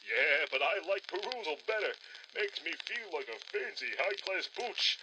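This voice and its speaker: A high-pitched, folksy cartoon dog, jolly and theatrical. His delivery swings with lively pitch as he hams it up like a friendly big brother. The recording is noisy and full of clicks. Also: moderate pace. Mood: jovial, folksy. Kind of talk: cartoon puppet-show character acting.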